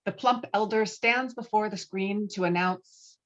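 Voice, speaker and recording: A woman's voice: medium pitch, measured pace, fairly bright tone. A woman reading scripted stage directions as narrator at a table read, slightly muffled as on a video call.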